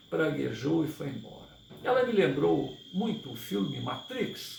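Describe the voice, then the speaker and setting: A man's voice: fairly high pitch, vocal fry, echoey room, distant mic, a little hiss or hum, exaggerated voice, poor audio. A man reading the lines of an admiring, brotherly friend who talks on at length.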